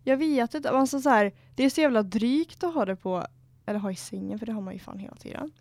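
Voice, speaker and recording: A woman's voice: fairly high pitch, dry recording. A young woman, co-hosting a casual podcast chat, giggly and swearing as she tells stories. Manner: giggly, swearing, animated storytelling. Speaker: podcast co-host.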